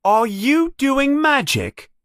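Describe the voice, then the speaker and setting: A man voicing a bossy know-it-all schoolgirl who talks very fast. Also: extremely high pitch, very animated, fairly bright tone, no room sound, clean studio sound, voice pushed up, heavily acted. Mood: bossy, eager.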